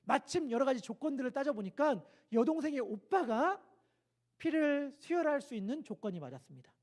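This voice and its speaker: High-voiced male pastor preaching. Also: a little fast. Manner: animated storytelling, acting out quoted voices. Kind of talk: sermon. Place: church sanctuary.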